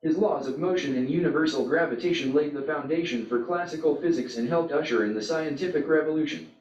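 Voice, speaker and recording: A synthetic male voice playing a robot's local chatbot, answering in a flat, polite, informative way. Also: a little high, fast talker, natural voice. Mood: calm. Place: hall at a club meetup. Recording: roomy, distant, dull with faint noise.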